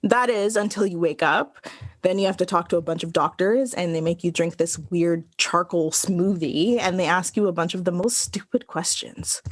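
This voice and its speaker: A woman playing a sardonic, weary hospital patient in a drama, with a deadpan, biting delivery. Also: lowish voice, no room sound, clean studio sound, natural voice. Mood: dry, sardonic. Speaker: actor in a recorded play. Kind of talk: dramatic scripted dialogue.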